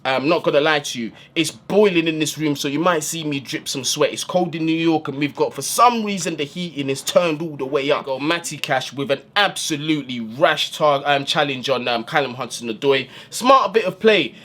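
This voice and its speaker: A man's voice: a little high, moderate pace, hardly any pauses. Slangy man breaking down a match. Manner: casual, slangy, animated fan talk. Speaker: football fan channel host. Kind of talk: post-match analysis monologue. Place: hot indoor room.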